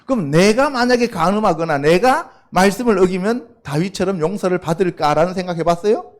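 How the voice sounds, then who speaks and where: A male pastor with a high voice preaches briskly to a youth congregation. His sermon is loose and conversational, and he often poses questions to listeners before answering them himself.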